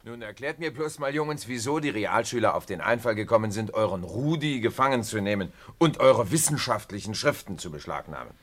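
An actor in a German radio play playing a genial, avuncular grown-up who questions schoolboys with curiosity. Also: male voice, on the low side, lively intonation, brisk, few pauses, a bit bright. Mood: curious, amused.

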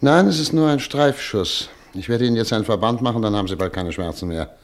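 Radio play role, male actor: courteous, guarded medical professor with a low, businesslike delivery. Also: fast, lightly acted. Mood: brisk, guarded. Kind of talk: German radio play acting.

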